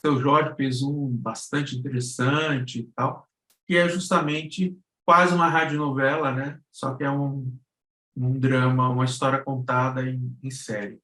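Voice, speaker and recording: A man with a Brazilian accent giving a casual explanation as a guest, halting and searching for words, in an echoey room. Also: mid-range voice, fairly even intonation, pushed and bright. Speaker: guest presenter, radio drama producer, cultural policy consultant.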